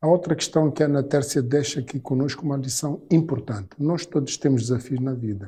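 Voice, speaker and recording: A man's fairly high, somewhat breathy voice with a dark, mellow tone, ordinary pitch variation, and a moderate pace. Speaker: podcast host. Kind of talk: interview podcast commentary.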